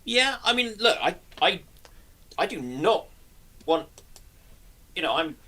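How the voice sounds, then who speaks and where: A man chatting casually as a live stream panelist, halting and repeating words as he thinks. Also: high voice, big pitch swings, bright, forceful tone. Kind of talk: casual chat.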